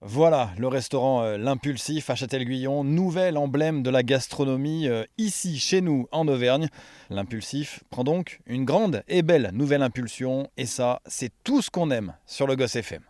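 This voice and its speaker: A man narrating a local radio feature, his voice sitting in the middle range. He talks with a lively, playful way of phrasing things, like a reporter on assignment. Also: mid-range voice, moderate pace, dry recording.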